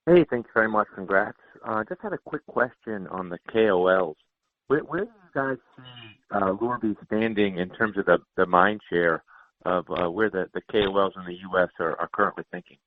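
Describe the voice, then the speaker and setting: Male analyst caller, informal and halting, lowish pitch, thin phone audio. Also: no echo. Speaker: analyst caller asking questions. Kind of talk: casual business question on a conference call. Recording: narrow, dry telephone line.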